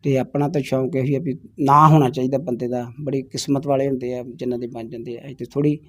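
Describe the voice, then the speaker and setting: A man, a folk singer answering interview questions in a humble, soft-spoken way and often agreeing with "haanji". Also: medium pitch, little pitch movement, fast talker. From Punjab, India.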